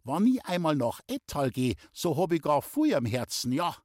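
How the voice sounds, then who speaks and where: A man reading an audiobook, voicing a sharp-tongued old village mother in a Bavarian accent, fussy and scolding. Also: a little high, very animated, normal speed, no room sound, clean studio sound, pitched above the performer's own voice. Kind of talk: audiobook character voice.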